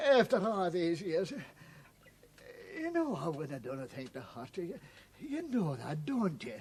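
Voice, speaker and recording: A man's put-on, whiny character voice, high-pitched with very wide pitch swings, at a moderate pace with long, frequent pauses. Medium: stage play. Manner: stammering, whining.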